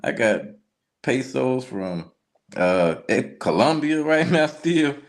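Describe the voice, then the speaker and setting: A man in casual podcast chat, earnest and expressive, peppering his points with "you know what I'm saying.". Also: mid-range voice, slow pace. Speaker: podcast panelist.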